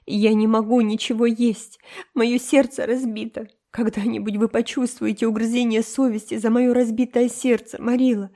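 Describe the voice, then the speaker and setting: A woman's voice: medium pitch, steady tone, normal speed, dark tone, close to an everyday voice. A woman voicing a dreamy, dramatic orphan girl in an audiobook, talking in a theatrical, emotional way. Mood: tragic. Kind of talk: audiobook character reading.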